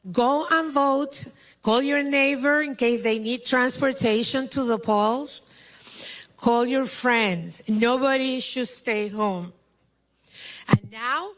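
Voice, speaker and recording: High, bright Puerto Rican woman speaker. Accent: Puerto Rican Spanish. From Puerto Rico. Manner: impassioned, rousing. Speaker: rally speaker. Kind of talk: political rally speech. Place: outdoor drive-in rally.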